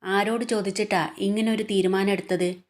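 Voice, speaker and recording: A woman's voice: medium pitch, fairly even intonation, normal speed, lightly acted. Angry male boss, harsh scolding, read by a woman narrator. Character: furious domineering male company boss.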